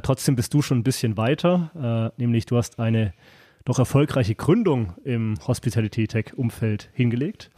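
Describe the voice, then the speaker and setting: A man's voice: medium pitch, warm tone, dry recording, studio quality. A young man hosting an interview podcast in a casual chat, chatty and eager, with frequent affirmations. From southern Germany. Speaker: podcast host.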